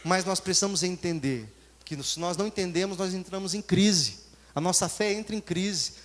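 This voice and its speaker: A man with a Brazilian Portuguese accent, a pastor preaching a sermon and telling a story in a lively way, swinging between loud and soft. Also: high-pitched, normal speed, long reverb tail.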